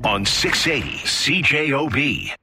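A man's voice: mid-range voice, sing-song, unhurried. A man reading a radio station promo in a polished announcer delivery.

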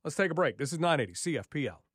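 Male radio host, upbeat encouraging interviewer, close dry mic, slightly high pitch. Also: animated, racing, a bit bright, breathy edge, dry recording.

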